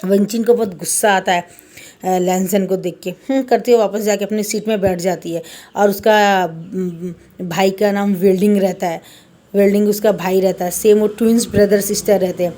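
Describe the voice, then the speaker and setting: A woman casually retells a fan-fiction story in a loose, chatty way. Her voice is warm and mellow, and she keeps repeating "he says" to link the lines. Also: mid-range voice, steady tone, normal speed.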